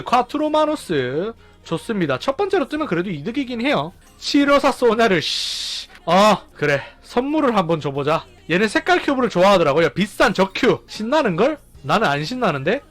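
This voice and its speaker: Male gaming streamer: high, bouncy voice full of countdowns and shouts, over soft game music. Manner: animated, counting down and exclaiming loudly. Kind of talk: excited gameplay commentary.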